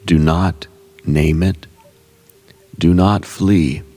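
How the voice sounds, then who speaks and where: A man narrating a guided meditation in an ASMR style, solemn and hushed, in short, deliberate phrases with a gravelly, breathy voice. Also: low-pitched, fairly even intonation. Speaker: host and narrator of a meditative radio show.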